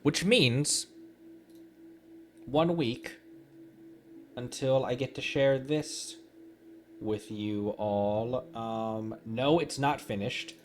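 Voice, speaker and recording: A man's voice: medium pitch, drawn-out words, long pauses, faint music behind. A young man chatting on a gaming livestream, rambling and making puns while he laughs often. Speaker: streamer. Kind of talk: casual gaming livestream chat.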